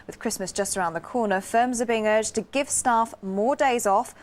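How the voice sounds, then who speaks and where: A woman's voice: fairly high pitch, normal speed. Woman reading national morning news. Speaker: news presenter.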